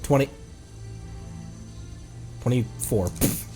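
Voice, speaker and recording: A man's voice: medium pitch, very slow, over music. A man giving casual, rambling live game commentary and chatting playfully with viewers. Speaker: game streamer, VTuber.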